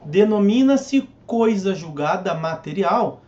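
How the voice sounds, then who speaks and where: A man's voice: sits high, animated, slow, darkish tone, muffled recording. A man lecturing on civil procedure law in a conversational way, asking rhetorical questions and making jokey asides.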